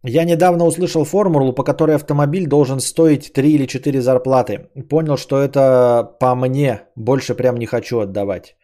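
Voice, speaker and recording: A man with a warm, steady, mid-range voice hosts a podcast stream, speaking fairly quickly with few pauses. He reads donations aloud and chats casually, hesitating often and swearing bluntly, in typical livestream fashion.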